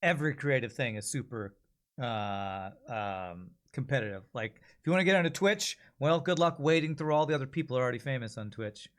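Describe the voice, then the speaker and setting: A man chatting casually as a livestream host, rambling and thinking out loud as he goes. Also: medium pitch, animated, fairly quick.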